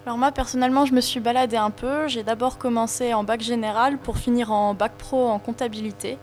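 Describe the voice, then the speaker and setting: A woman's voice: a little high, steady tone, fairly quick, a little mellow. A woman in her twenties talking casually as a student panelist in a discussion. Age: 20s.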